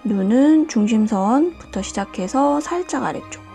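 Soft-spoken woman with a gravelly edge. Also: a little high, faint music behind. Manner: calm, slow, often drops to a whisper. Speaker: nail art tutorial host. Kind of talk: soft-spoken step-by-step drawing tutorial. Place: indoors at a desk, hands on camera.

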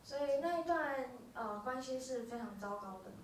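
A woman interpreting live from a stage, speaking quickly with short filler hesitations. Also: high voice, expressive, a little hiss or hum. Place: small dark music venue. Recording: roomy venue, from far off.

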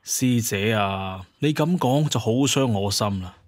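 A man's voice: lowish voice, a little slow, no room sound, close to an everyday voice. A man with a Cantonese accent voicing a glib, shameless hunter chief in an audio drama, wheedling and making excuses. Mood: mock hurt. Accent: Hong Kong or Guangdong Cantonese.

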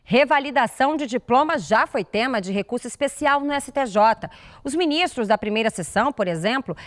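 A woman's voice: a little high, fairly bright tone. A young woman presenting a legal news report in a formal, scripted read. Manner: crisp formal reading. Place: studio set.

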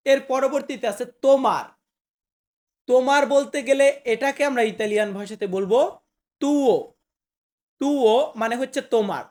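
A woman teaching a language lesson online, her voice sitting a little high. She repeats each new word slowly and patiently before explaining it.

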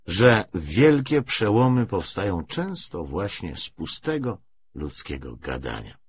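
A man reading literary prose aloud as an audiobook narrator, with a husky voice. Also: lowish voice, muffled recording.

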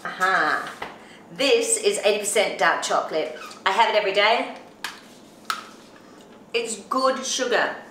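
A woman's voice: mid-range voice, measured pace, pauses often, bright, forceful tone, a little hiss or hum. Woman, 40s, New Zealand accent, tired, chatty, laughs often, home kitchen, echoey. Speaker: lifestyle vlogger. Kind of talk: casual talk to camera while cooking.

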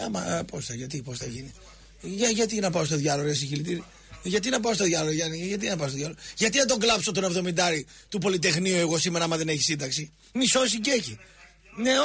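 A man's voice: high voice, fairly bright tone. A Greek man hosting a radio talk show, ranting heatedly and hammering the same points again and again at his co-host. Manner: impassioned, repetitive, jabbing at a co-host.

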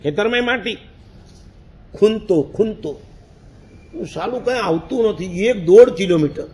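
A high-pitched man tells a story from the pulpit in lively sermon fashion. He acts out what he once said to himself, letting his voice rise and fall with the telling, and chuckles along the way. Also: normal speed. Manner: animated storyteller, acts out his own past words, laughs. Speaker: Jain monk.

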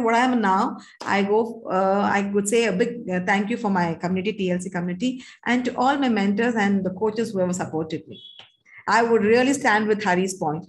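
A woman's voice: medium pitch, poor audio. Female talk show host, middle-aged, Indian accent, emphatic and earnest coach delivery over a video call. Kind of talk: conversational live talk show hosting.

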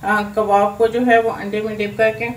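A woman's voice: medium pitch, moderate pace. A woman host with a Pakistani Urdu accent talks through a home cooking recipe step by step, often filling her sentences with "jo hai woh". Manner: steady step-by-step instructions with filler "jo hai woh". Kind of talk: recipe tutorial voice-over. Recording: roomy, distant mic, kitchen noise.

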